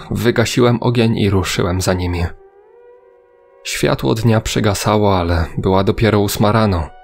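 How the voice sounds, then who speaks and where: Deep-voiced man narrating horror, gravelly edge. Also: darkish tone. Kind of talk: scripted first-person horror story narration. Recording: background music under voice.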